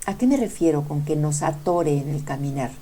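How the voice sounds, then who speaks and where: A woman's voice: sits low, expressive, moderate pace, dark tone, slightly rough, rough recording. A woman hosting a psychology radio talk, speaking conversationally to her listeners as friends and retelling a fable with easy fillers. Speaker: radio host.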